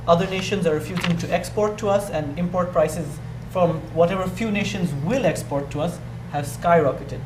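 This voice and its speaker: Panel moderator, young man, formal and measured, roomy echo with steady background hiss. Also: high-pitched. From Bangladesh. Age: young adult. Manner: measured, formal, repeats words while thinking. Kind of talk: hosting a student panel discussion. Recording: echoey room with background noise.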